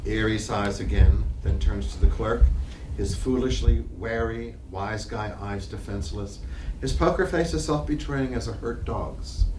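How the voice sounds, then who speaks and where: A man narrates a play in scripted literary prose. His mid-pitched voice sits away from the microphone in a reverberant room with faint noise. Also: unhurried. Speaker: narrator reading stage directions. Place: library reading room. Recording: distant mic, echoey room, noisy.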